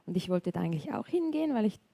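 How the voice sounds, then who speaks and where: A young woman from Graubünden, Switzerland, with a Swiss accent, tells her life story as a guest on a church stage in a personal testimony interview during a service. She speaks softly, hesitantly and reflectively, pausing often and using fillers, and her mid-range voice is very animated, creaky and slightly breathy, with no room sound.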